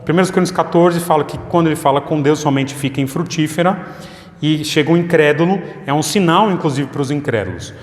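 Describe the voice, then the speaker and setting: Man, pastor, Bible study teaching, conversational, fairly high voice, echoey church hall. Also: fairly quick. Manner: explanatory, conversational, repeats questions for the audience.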